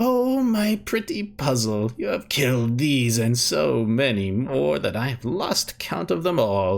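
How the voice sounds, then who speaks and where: A put-on character voice cackles at a low-to-middle pitch, going at a fairly slow pace with hardly any pauses, on a very clean recording with a silent background. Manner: cackling, taunting.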